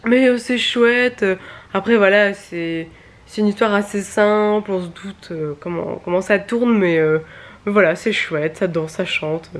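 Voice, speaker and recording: A woman's voice: medium pitch, unhurried. A young woman chatting casually in a home vlog, rambling with many fillers and restarts. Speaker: vlogger.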